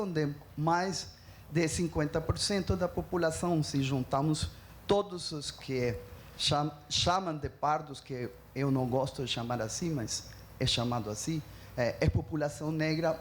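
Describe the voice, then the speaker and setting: A woman's voice: low voice, a little hiss or hum. A woman with a Mexican accent speaking as a panelist, earnest and emphatic, with frequent fillers and restarts. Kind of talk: panel talk.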